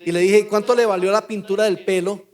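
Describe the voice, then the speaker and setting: An older man with a Colombian Spanish accent, a pastor teaching a Bible study through lively anecdotes with acted-out dialogue. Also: high voice, fast. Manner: storytelling, acts out dialogue in quotes.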